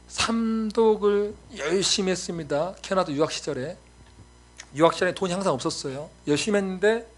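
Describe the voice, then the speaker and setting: A man in his forties, a missionary preacher giving a sermon, telling stories with lively acted-out voices. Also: fairly high pitch, a little hiss or hum. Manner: animated storytelling, acts out voices.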